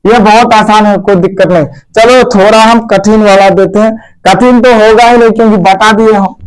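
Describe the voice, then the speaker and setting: A man's voice: sits high, fairly even intonation, normal speed, clean tone, poor audio. A man teaching a grammar lesson to pupils at a board, repeating key words and quizzing them. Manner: addresses pupils as "मेरे प्यारे बच्चों".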